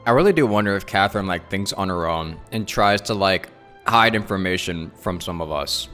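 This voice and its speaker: A man's voice: deep voice, animated, moderate pace, fairly bright tone. A man doing casual livestream game commentary, joking and blunt. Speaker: game streamer. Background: game music.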